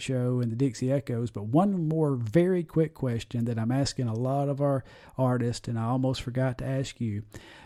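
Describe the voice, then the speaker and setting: A man with a Southern US accent speaks at a moderate pace in a dark, mellow tone. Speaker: podcast host. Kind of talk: interview. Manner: halting, repeats words.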